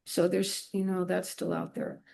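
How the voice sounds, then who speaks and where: A woman's voice: lowish voice, flat delivery, moderate pace, vocal fry, a little mellow. Informal woman guest chatting in an interview. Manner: informal, loose, trailing phrases with "you know". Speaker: podcast guest, illustrator and art professor. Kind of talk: casual interview chat.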